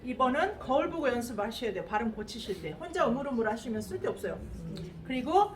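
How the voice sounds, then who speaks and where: A woman's voice: fairly high pitch, big pitch swings, fast talker, noisy background. A woman teaching English pronunciation to a class, modelling sounds and having them repeat. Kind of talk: classroom lecture with drills. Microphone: distant room mic. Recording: echoey classroom from far off, class audible.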